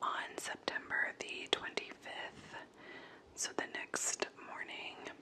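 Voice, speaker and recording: A woman is whispering. Her pace is very slow. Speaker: ASMR true crime content creator. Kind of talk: true crime ASMR narration, slow clicky whisper. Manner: whispered, slow, relaxing. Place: home room. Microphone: studio mic.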